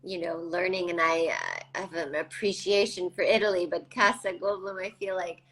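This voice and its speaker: A woman from Canada in her forties, a guest reflecting thoughtfully in a casual interview, with halting restarts. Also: fairly low pitch, fairly even intonation, a bit bright, rough recording.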